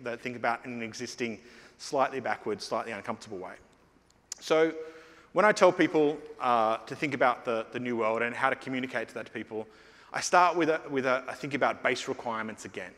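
Middle-aged man, keynote speaker, loose conversational delivery, mid-pitched, long hall reverb. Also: fairly bright tone. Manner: conversational, many fillers and restarts. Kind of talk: conference keynote talk. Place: large conference hall stage.

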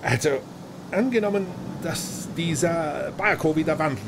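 An uneasy man, higher-pitched, lively. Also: moderate pace. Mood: doubtful. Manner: hesitant, questioning. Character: uneasy, questioning male companion of the hero. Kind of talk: audio drama acting, conversational. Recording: clear vehicle noise behind voice.

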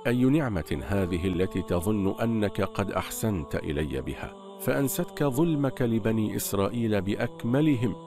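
A man voicing a calm, confident prophet in a retold religious story, speaking in a steady, assured way. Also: lowish voice, a little fast, over music.

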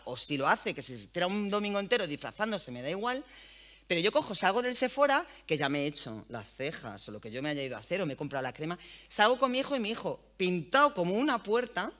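A woman speaks to a hall audience in a candid, slangy way. Her tone is bright and her pitch leaps about with energy. She talks like a seasoned radio host. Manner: frank, colloquial and animated, swears freely. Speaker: journalist and radio host giving a talk. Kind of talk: lively public talk to an audience. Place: event hall.

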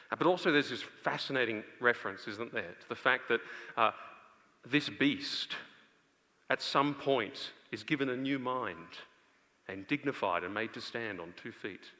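A man's voice: medium pitch, sharp tone. A man in his thirties preaching from a stage in an emphatic, explanatory way, posing rhetorical questions as he expounds scripture. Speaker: preacher, conference speaker. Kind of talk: expository Bible lecture to a live audience. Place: stage of a large auditorium. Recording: reverberant large hall.

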